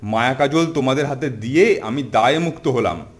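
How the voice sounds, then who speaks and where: A man's voice: medium pitch, moderate pace, natural voice. A man playing a solemn, pious wandering holy man in a children's cartoon, with formal, grandiose old-fashioned speech. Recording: music behind the voice.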